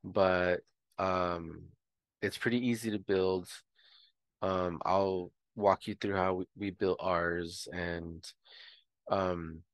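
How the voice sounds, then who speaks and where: A man with a low-pitched voice, recorded dry, explains a homesteading tutorial as an educator. He's relaxed and rambling, with frequent ums, fillers, and restarts.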